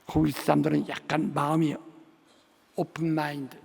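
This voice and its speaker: A man's voice: a little high, monotone, normal speed, vocal fry, darkish tone, breathy edge. An older male pastor preaching a sermon in a large church, telling stories animatedly and acting out the dialogue. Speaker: senior pastor. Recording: long reverb of a large sanctuary.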